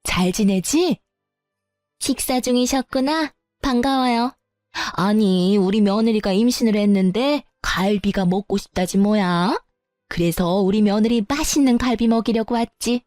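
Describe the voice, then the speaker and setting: A woman's voice: mid-range voice, unhurried, darkish tone, dry recording, studio quality, faint music behind, natural voice. A woman voicing a cheerful, boastful older acquaintance who chats and brags. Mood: bragging. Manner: chatty, bragging.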